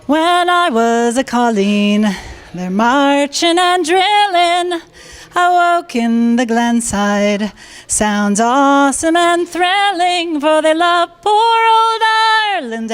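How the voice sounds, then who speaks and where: A high-voiced woman sings an old folk ballad slowly and unaccompanied. She takes the verses at an unhurried pace in a community hall, with faint music somewhere in the mix. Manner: unaccompanied, nervous but steady singing. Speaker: event performer singing a folk song. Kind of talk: live folk singing at a community event.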